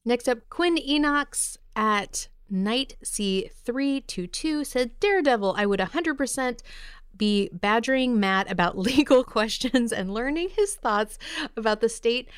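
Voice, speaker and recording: A woman with a somewhat high voice co-hosts a fan podcast. Her delivery is breezy and playful, in easy banter and message reading. She is recorded dry and clean of echo. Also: lively intonation, a little slow, smooth. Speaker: podcast co-host.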